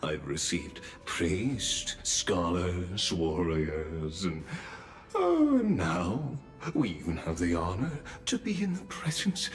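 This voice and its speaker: A man's voice: deep voice, sing-song, takes it slowly, heavily acted. A man voicing a formal male palace attendant who speaks with ceremonious courtesy in a video game. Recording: game audio under music.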